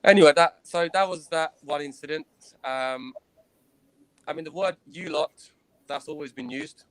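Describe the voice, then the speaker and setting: A man's voice: on the high side, fairly bright tone, smooth, no room sound. Earnest, hesitant man in his thirties. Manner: earnest, hesitant, frequent pauses and restarts. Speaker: guest, former professional cricketer. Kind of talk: recounting personal experiences in an interview.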